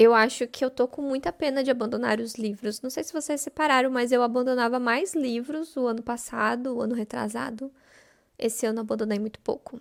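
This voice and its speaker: Soft-spoken delivery at a fairly quick pace, with fairly even intonation. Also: woman, high pitch for a woman. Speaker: book vlogger. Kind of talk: casual vlog talk. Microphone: holding the microphone close.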